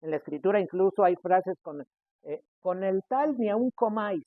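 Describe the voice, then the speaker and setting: Tinny high-voiced Mexican pastor preaching. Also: male voice, lively intonation, normal speed, dry recording. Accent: Mexican Spanish. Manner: acts out quoted people, switching loudness. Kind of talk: sermon. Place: church. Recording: dry, tinny phone-like sound.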